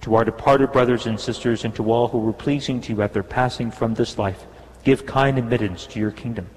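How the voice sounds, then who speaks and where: A male priest reciting the Mass prayers in a large church, in a measured, solemn way. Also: medium pitch, fairly even intonation, a little mellow. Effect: cathedral echo, long reverb. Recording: long cathedral reverb with a faint hum.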